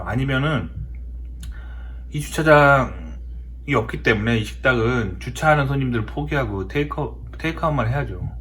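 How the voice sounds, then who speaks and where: A man's voice: mid-range voice, fairly bright tone, slight background noise. A man from South Korea talking casually in a storytelling monologue, emphatic and often repeating his words for effect. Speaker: host of a talk show.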